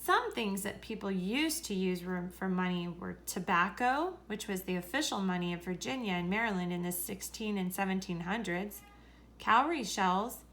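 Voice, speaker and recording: A woman reading a children's story aloud in a deliberate, expressive way. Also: medium pitch. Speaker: story reader.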